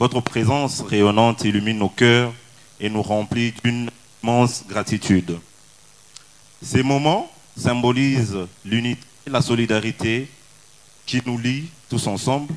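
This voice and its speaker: Speech at a very slow pace with long, frequent pauses and ordinary pitch variation. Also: man, medium pitch for a man. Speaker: youth movement president. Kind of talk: formal welcome speech. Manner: formal.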